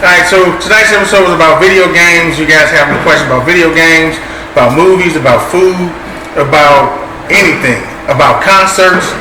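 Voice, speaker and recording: Male challenge-show host, casual and halting, slightly high voice, roomy echo and noticeable noise. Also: recorded from a distance. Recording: echoey room with background noise.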